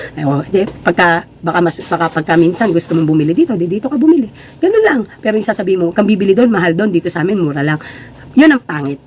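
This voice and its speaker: A woman who runs a store, giving casual advice to other sellers on a livestream, laughing often and ending lines with tag questions. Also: lowish voice. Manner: mixes English phrases into her talk.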